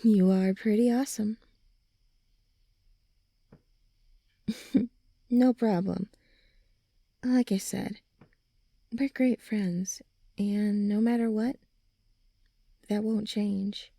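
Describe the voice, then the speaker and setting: Woman acting a soft, slow, mellow supportive young friend. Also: medium pitch, steady tone, no echo. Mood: warm, affectionate. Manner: soft, soothing, encouraging, breathy sighs and chuckles. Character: supportive young female friend, gently reassuring a worried graduate. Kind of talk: ASMR comfort roleplay.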